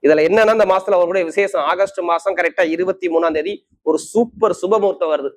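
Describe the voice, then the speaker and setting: A man's voice: high-pitched, quick pace. A man presenting horoscope forecasts as an astrologer, talking emphatically in short, repeated, list-like bursts. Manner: emphatic, repetitive, listing points in short bursts. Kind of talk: monthly horoscope talk to camera.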